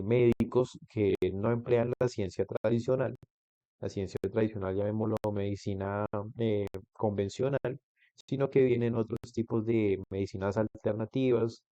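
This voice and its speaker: Low, mellow-voiced male instructor. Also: steady tone, a little slow, no echo. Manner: explanatory, with restarts and questions to the student. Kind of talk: online class lecture. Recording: dull lo-fi recording.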